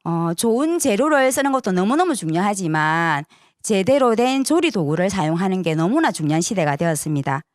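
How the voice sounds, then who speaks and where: A woman's voice: mid-range voice, dry recording, clean studio sound. A woman presenting a sales seminar to an audience, persuasive, often asking for agreement with short tag questions.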